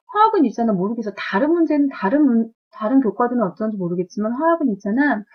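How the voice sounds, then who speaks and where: A woman teaching chemistry to a live class, her voice sitting a touch high. She talks in a chatty way and keeps checking in with her students. The recording sounds muffled and lo-fi.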